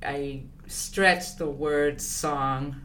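An older woman speaking as an interview guest, answering in a thoughtful, measured way with fillers and pauses. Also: low voice, steady tone, a bit bright, slight background noise. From born in Liberia, raised abroad. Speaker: guest, consultant.

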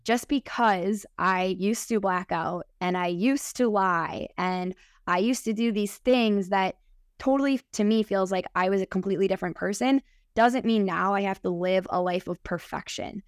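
A woman's voice: medium pitch, moderate pace, no echo, studio quality. A woman in her early thirties with an American Midwest accent, reflecting casually and earnestly as a podcast guest, often dropping in "like". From Minnesota, United States. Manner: earnest, filler-heavy with frequent "like". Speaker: podcast guest, sober group leader. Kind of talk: casual personal reflection in conversation.

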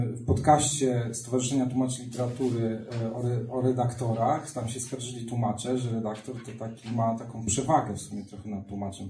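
Male podcast host, rambling questions, dark tone, distant echoey room. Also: medium pitch. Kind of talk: podcast interview.

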